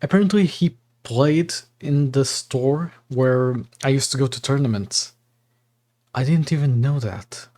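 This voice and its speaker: A young Portuguese man streams live from his desk mic, chatting, rambling with fillers, and reading text aloud. His mid-range voice has a dark tone and a measured pace.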